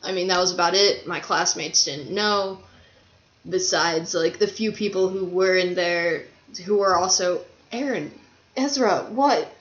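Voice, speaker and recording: A man's voice: sits high, unhurried, a bit bright. A young trans man, a college student, chatting casually about his own experience and rambling with easy laughs. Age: young adult. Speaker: vlogger. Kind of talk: casual chat. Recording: roomy, slightly dull sound.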